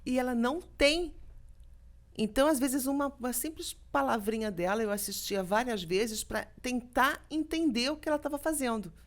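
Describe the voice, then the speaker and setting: A woman's voice: sits high, moderate pace. A middle-aged woman from Brazil, a voice actress being interviewed on a podcast, telling stories and acting out quoted dialogue. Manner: lively storytelling, acts out quoted dialogue. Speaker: voice actress, guest.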